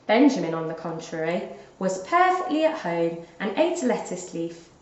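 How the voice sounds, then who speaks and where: A woman narrating a children's story aloud in an expressive, deliberate storytelling manner, like a teacher. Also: lowish voice. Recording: dull, roomy lo-fi recording.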